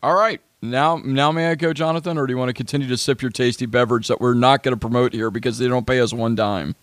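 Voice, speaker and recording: A man's voice: mid-range voice, fairly even intonation, quick pace, fairly bright tone, dry recording. A man co-hosting a trivia podcast in casual banter, a little stuffy and nasal today, playful and jokey. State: stuffy nose. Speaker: podcast co-host.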